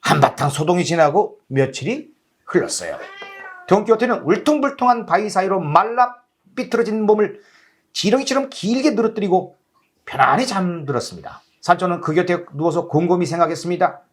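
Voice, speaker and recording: A man's voice: high voice, animated, brisk. A man working as a storyteller, narrating a children's tale in a dramatic, scripted style.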